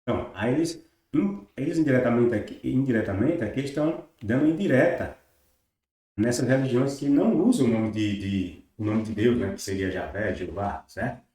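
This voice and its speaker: A man who reads religious passages slowly aloud, then critiques them in a conversational way, often adding tag questions. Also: mid-range voice, expressive, mellow. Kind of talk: reading aloud and commenting on scripture. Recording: very echoey room.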